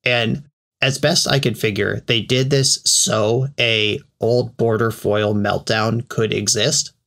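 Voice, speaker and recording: A man co-hosting a podcast, talking in a relaxed, chatty and slangy way. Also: lowish voice, takes it slowly, creaky. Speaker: podcast co-host. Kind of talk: casual podcast chat.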